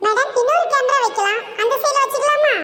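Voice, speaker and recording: An extremely high-pitched, cartoonish character voice. It moves along at a moderate pace. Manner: formal, courteous, mixes English phrases.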